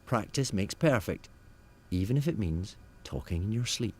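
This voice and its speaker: A man delivers scripted nature narration in a lowish voice. His pitch moves in a lively way, over clearly audible background noise. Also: normal speed. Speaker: documentary narrator.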